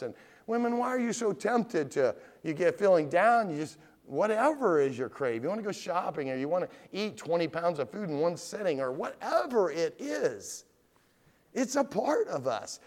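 A middle-aged man preaching an evening sermon in a conversational, animated way, putting question after question to his congregation. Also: high-pitched. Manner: asks the congregation direct questions. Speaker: pastor.

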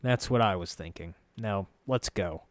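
A weary, gruff male adventurer voiced by a man grumbles his way through a fantasy story. He sounds frustrated, and the recording is close and dry. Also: medium pitch, expressive, normal speed, a little mellow, no room sound, lightly acted. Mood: weary, firm. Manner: growling, frustrated.

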